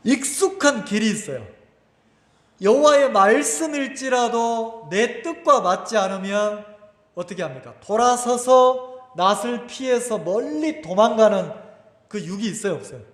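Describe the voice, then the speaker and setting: A man's voice: high voice, lively intonation, a little slow, fairly bright tone. A pastor preaching a sermon, firing rhetorical questions at his congregation with emphatic delivery. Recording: echoey church hall.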